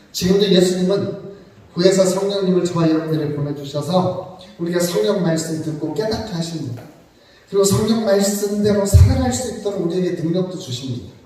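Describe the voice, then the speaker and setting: This pastor's voice sits high yet has a dark tone. He delivers his sermon conversationally, tossing in joking asides and rhetorical questions, captured from afar in an echoey church sanctuary.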